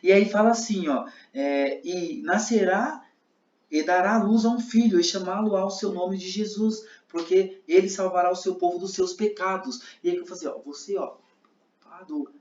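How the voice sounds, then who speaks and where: A man's voice: high voice, fairly even intonation, a little fast, hardly any pauses, a little mellow. Man teaching in a roomy, dull-sounding room. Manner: explains with many checks like "tá?" and demonstrates lines aloud. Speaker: sign language interpreting teacher. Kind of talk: teaching a class.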